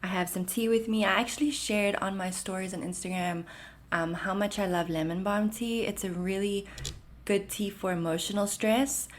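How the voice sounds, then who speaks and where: A woman in her thirties from South Africa, with a South African accent blended with Canadian, hosting a solo podcast in a gentle, reassuring and chatty way, full of "like" and "um". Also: mid-range voice, fairly even intonation, normal speed. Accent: South African mixed with Canadian. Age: 30s. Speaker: podcast host. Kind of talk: casual solo podcast talk.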